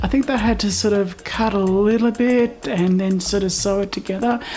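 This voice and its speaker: Over noticeable background noise, a woman with an Australian accent talks at a moderate pace. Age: 40s. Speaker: voice surgery patient. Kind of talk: testimonial interview.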